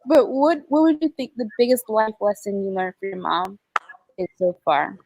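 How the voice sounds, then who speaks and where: A woman on a church panel, friendly and quick to ask questions. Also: medium pitch, animated, gravelly, darkish tone, a little hiss or hum, rough recording. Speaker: panel guest, daughter.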